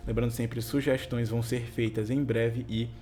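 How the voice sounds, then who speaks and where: A man's voice: mid-range voice, little pitch movement, normal speed, dark tone. A Brazilian Portuguese-speaking man narrating for online viewers, with a tongue-tied impediment that makes some consonants like R, S, T and L hard to articulate. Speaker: YouTube video narrator. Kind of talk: scripted narration and casual sign-off to viewers. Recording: music behind the voice. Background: music.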